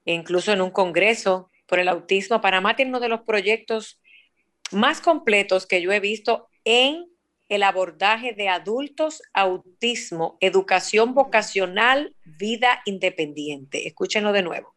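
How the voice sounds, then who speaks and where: A woman's voice: mid-range voice, animated, measured pace. Emphatic Dominican woman radio host. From Dominican Republic. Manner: warm, emphatic, repeats key words for listeners. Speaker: radio host and family therapist. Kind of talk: radio talk show interview.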